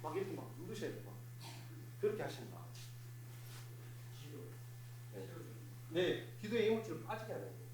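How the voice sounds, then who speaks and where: A man's voice: fairly high pitch, sing-song, fairly quick, pauses often, a little mellow, a little hiss or hum. Man teaching first aid in an echoey hall. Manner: instructive, repetitive, talks to a live group. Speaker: fire safety instructor. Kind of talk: hands-on first aid demonstration. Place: hall of a place of worship.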